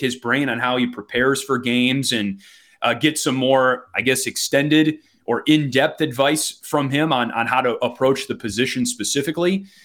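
In a Wisconsin accent, a man speaks with fairly even intonation on a very clean recording with a silent background. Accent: Wisconsin Midwestern US. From US Midwest, Wisconsin. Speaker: hockey play-by-play announcer. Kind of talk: casual interview chat.

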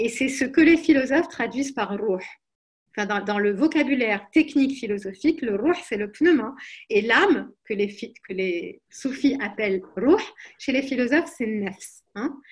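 A woman's high voice, lively in intonation, at a fairly slow pace. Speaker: philosophy scholar. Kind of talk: Q&A after lecture. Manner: halting, many repetitions.

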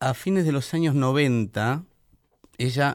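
A man with an Argentine accent is heard on a very clean recording against a silent background. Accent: Rioplatense Argentine Spanish. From Argentina, Buenos Aires city. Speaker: radio music show host. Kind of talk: casual chat about music.

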